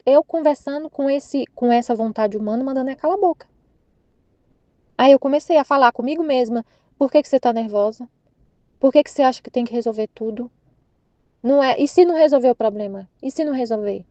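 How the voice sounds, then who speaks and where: A woman's voice: on the high side, dark tone, no room sound, muffled recording. A woman with a Brazilian Portuguese accent sharing a personal testimony in a casual, earnest way, often restarting her sentences. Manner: earnest, halting, repeats herself while searching for words. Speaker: prayer group member sharing testimony.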